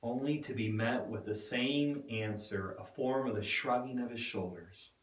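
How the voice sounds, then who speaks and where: A man giving a dramatic scripted narration with deliberate, expressive storytelling. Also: mid-range voice. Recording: echoey room, distant mic.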